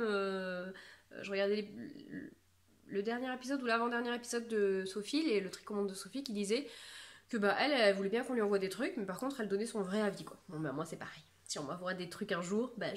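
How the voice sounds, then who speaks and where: A French knitting vlogger in her thirties chats casually to the camera about her knitting in a mid-range, slightly bright voice. She rambles and pokes fun at herself, using plenty of fillers.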